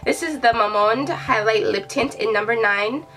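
A woman's voice: on the high side, moderate pace, fairly bright tone. A young woman with a nasal voice from a cold, chatting casually and enthusiastically as she reviews beauty products. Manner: chatty, enthusiastic, many fillers. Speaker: beauty vlogger. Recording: voice from a distance with faint music.

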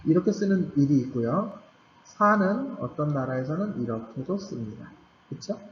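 A man teaching a Korean language class to beginners, patiently repeating key points with emphasis. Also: a little high. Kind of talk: recorded grammar lecture for beginners. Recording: roomy, slightly dull recording with faint background hum.

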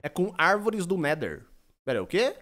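A young Brazilian man with a Brazilian Portuguese accent and a fairly high voice chats loosely on a live stream. He jokes, rambles and answers his chat aloud into a desk microphone in a small room. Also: huge pitch swings, moderate pace, a bit bright. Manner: playful, joking, reads chat aloud, rambling. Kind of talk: casual live-stream chat while gaming.

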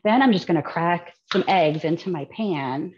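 Low-voiced woman demonstrating a recipe. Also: moderate pace, dull audio. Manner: relaxed, chatty, explains as she cooks. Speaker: cookbook author demonstrating a recipe. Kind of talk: casual cooking demonstration. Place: home kitchen at the stove.

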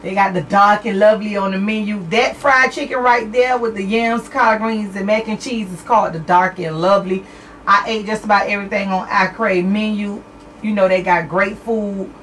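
A woman hosting a live radio show, reading out listener shout-outs with lively, excited greetings. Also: medium pitch, moderate pace, far from the mic, a little hiss or hum.

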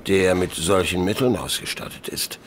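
An actor playing a grave, methodical police detective in an audio drama, speaking deliberately with dry irony and pauses. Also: male voice, low voice, slight background noise, close to an everyday voice. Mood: probing. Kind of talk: German radio play dialogue.

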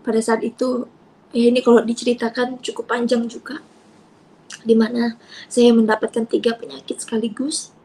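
Husky woman giving a tearful testimony. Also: a little high, flat delivery, normal speed, pauses often. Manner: tearful, shifting from soft near-whispers to raised outbursts. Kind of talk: emotional personal testimony.

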